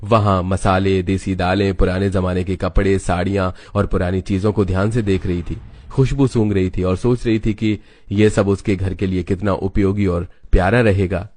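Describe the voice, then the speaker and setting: A man narrating an animated family story in a steady, storytelling manner. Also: deep voice, moderate pace.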